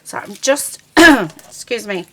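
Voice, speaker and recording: A woman hosting a casual paper-craft tutorial, croaky from a sore throat, chatty and often hunting for words between ums. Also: fairly high pitch, animated, takes it slowly. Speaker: craft channel host. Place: craft table indoors.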